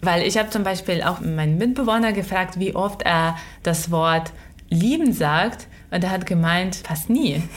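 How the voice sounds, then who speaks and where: A somewhat breathy woman at a medium pitch with ordinary pitch variation, very even loudness, a fairly slow pace, and audible room echo. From Ukraine. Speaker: podcast co-host. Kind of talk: casual chat.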